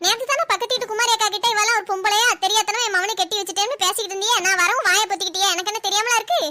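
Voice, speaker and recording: A woman acting a sharp-tongued mother-in-law in a comic family skit. She mocks and scolds, and sometimes wails in self-pity. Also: very high-pitched, fairly even intonation, very fast. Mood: scolding.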